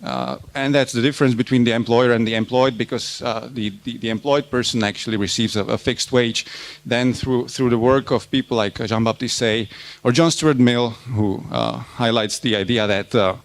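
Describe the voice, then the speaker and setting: A Czech university lecturer in his thirties presents research at an academic conference, often stopping to repeat words while searching for the next one. His medium-pitched voice is fairly even and moves at normal speed, with slight background noise.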